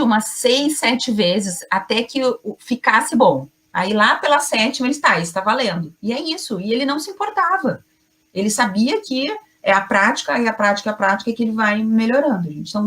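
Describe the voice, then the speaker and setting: A middle-aged woman teaching an online class as a communication coach, speaking emphatically in short phrases with deliberate pauses and addressing her audience directly. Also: a little high, fairly bright tone.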